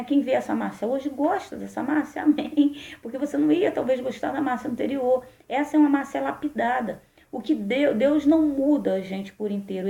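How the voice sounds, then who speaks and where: A woman's voice: on the high side, gravelly, mellow. A woman pastor with a Brazilian Portuguese accent, telling a personal testimony in a sermon with emotional, conversational storytelling. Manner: emotional storytelling, addresses listeners as brothers. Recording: echoey room.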